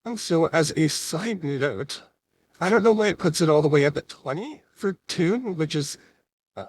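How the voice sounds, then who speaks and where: A woman talking casually through a software demo, her voice converted by a real-time voice changer into a masculine one. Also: low voice, dry recording. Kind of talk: casual live software walkthrough.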